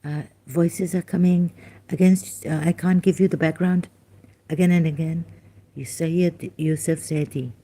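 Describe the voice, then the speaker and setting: Low, slow, halting woman. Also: fairly even intonation. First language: Khoja Sindhi. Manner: halting and soft, drifting between thoughts. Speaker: vlogger. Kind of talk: personal spoken monologue. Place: home, resting.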